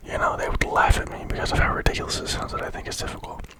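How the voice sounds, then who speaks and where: A man speaking in a breathy whisper in a rambling ASMR monologue, halting mid-thought and repeating words. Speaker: ASMR creator.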